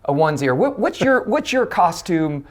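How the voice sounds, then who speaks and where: A man's voice: sits high, sing-song, normal speed. A man hosting a casual, chatty interview in a jokey, encouraging way. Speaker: interviewer, host.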